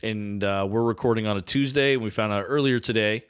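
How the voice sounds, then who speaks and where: A man's voice: on the low side, brisk, clear, resonant tone. A man co-hosting a casual sports podcast, chatting and bantering in an easy conversational way. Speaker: podcast co-host.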